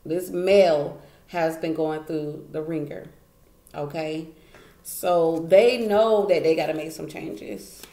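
A woman's voice: deep voice, slow, mellow. Chatty woman reading tarot cards. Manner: chatty, emphatic, repeats phrases, laughs often. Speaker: tarot reader. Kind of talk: casual tarot card reading. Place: indoor room at a wooden table. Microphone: camera pointed down at the table, speaker off frame. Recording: echoey room, faint noise.

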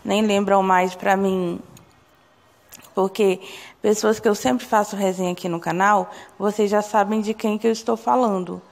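A hoarse young woman from Brazil, vlogging to camera in an indignant, gossipy way, talking straight to her viewers. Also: medium pitch, fairly even intonation, moderate pace. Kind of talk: casual opinion vlog to camera. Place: small indoor room. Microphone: phone or webcam close to face.

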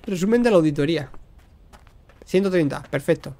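Excitable gaming streamer, man. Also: on the high side, brisk, faint music behind. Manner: excitable, shouts during firefights, jokey. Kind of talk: gameplay commentary. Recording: faint gunfire noise behind.

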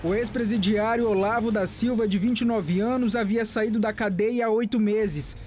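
A man with a Brazilian accent delivering a scripted TV news report in a formal, even tone. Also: high-pitched, normal speed. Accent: Brazilian Portuguese. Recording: TV news report with music bed.

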